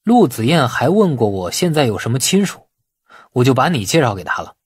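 A man's voice: medium pitch, very animated, fairly quick, husky, dry recording, clean studio sound. A man voicing a shrewd, easygoing younger businessman who explains things colloquially in audiobook dialogue. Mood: matter-of-fact.

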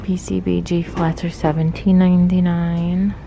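Low-pitched woman, monotone delivery, store vlogger reading off prices, phone-mic sound with shop noise behind. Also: normal speed, gravelly, dull audio. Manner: low-key, steady price-listing commentary. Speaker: shopping vlogger. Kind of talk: casual shop-with-me narration. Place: large retail store, indoors. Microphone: handheld phone camera. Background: store ambience noise.

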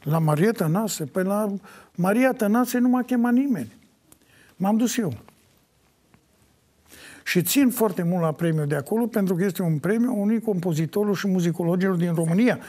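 An older man answering interview questions in an animated way, breaking into sung folk lines as he talks. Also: high voice. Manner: animated, sings folk lines mid-talk. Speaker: folk singer.

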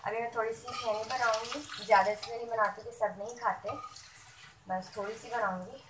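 A woman's voice: a little high, fairly even intonation, fairly quick. A woman vlogger chatting homely and casual while she cooks in her home kitchen. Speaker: cooking vlogger. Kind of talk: casual cooking narration. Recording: noisy kitchen recording. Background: clatter of pots and dishes.

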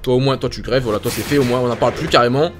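A man giving excited gameplay commentary, hyped and swearing casually as he talks to his viewers. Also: mid-range voice, very fast, over music. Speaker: gaming YouTuber. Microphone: facecam setup.

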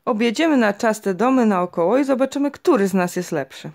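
A woman's voice: a little high, expressive, brisk, gravelly, a little mellow, pitched above the performer's own voice. A woman voicing a mocking, pompous neighbor man in a storybook reading, with a sneering, grandiloquent manner. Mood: taunting.

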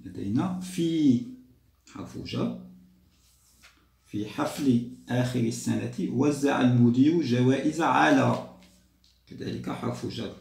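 A man, teaching a grammar lesson to young children patiently, repeating and drawing out words slowly. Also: medium pitch, vocal fry, a little mellow. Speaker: primary school teacher. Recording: roomy echo.

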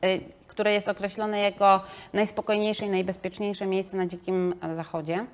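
Woman in her 30s interviewing, mid pitched voice, relaxed chatty questions. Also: normal speed. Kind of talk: casual interview. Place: large brick-walled loft room, indoors.

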